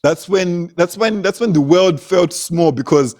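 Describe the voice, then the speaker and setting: A man's voice: high voice, measured pace, darkish tone. A young man from Zimbabwe, a comedian, telling stories in casual conversation, laughing often and repeating words as he goes. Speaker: comedian, guest.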